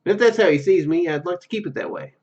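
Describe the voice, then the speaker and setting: A man's voice: high-pitched, fast, darkish tone. A man reading a game's narration aloud and adding casual commentary as a gaming video host, on a slightly lo-fi microphone.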